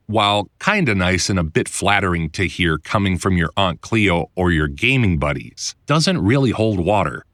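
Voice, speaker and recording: A man reading his own instructional audiobook in a conversational, clearly enunciated way, like a voiceover producer explaining the trade. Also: lowish voice, fairly bright tone, dry recording, studio quality. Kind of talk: scripted instructional narration.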